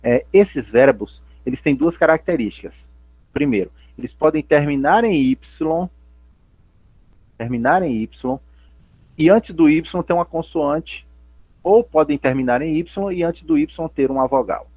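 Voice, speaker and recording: A man's voice: on the high side, expressive, unhurried, darkish tone, dry recording. A male teacher giving a remote lesson, explaining step by step, repeating points and answering his own questions. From Brazil. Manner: patient, repeats and spells out points, asks and answers himself. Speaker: English teacher.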